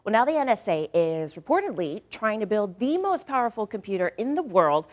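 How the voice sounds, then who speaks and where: A woman's voice: mid-range voice, big pitch swings, a little fast. A woman anchoring morning news, mixing read stories with playful, casual banter aimed straight at listeners. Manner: conversational, playful, addresses listeners directly.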